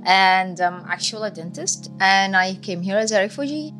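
A woman, a refugee teacher giving candid, heartfelt testimony in slightly halting English. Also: medium pitch, lively intonation, fairly bright tone, rough recording. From Sudan. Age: 30s. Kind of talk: personal testimony. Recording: music playing behind.

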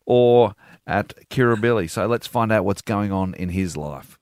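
A man's voice: lowish voice, a little slow, heavy background noise. A man with an Australian accent hosting a radio show in casual banter.

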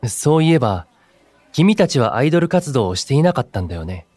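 An actor playing a kind, composed young male idol in an audio drama, speaking as a friendly, encouraging senior with gentle wording. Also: mid-range voice, sing-song, fairly quick, no room sound. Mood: curious. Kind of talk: Japanese audio drama acting.

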